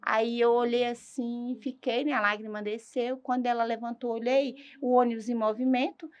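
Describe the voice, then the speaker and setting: A woman giving a personal faith testimony as a talk show guest, in an animated storytelling manner that reenacts dialogue. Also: fairly high pitch, moderate pace, muffled recording.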